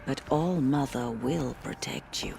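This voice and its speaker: An aged, devout tribal elder in a game drama. The voice is creaky and unhurried, solemn and protective. Clear ambient noise sits behind it. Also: female voice, rumbling low, huge pitch swings, full character voice. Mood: awed, solemn. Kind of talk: game cinematic acting.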